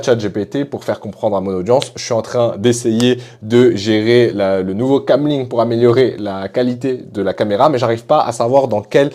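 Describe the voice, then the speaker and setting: Fast-talking enthusiastic man demoing apps. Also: medium pitch, warm tone. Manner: enthusiastic, casual. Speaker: tech YouTuber. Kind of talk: app tutorial.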